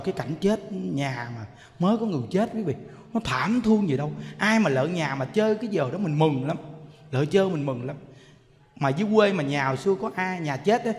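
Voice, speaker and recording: A man's voice: a little high, darkish tone. A Buddhist monk with a Southern Vietnamese accent gives an emotive sermon in a storytelling way, often speaking straight to his listeners. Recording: long hall reverb.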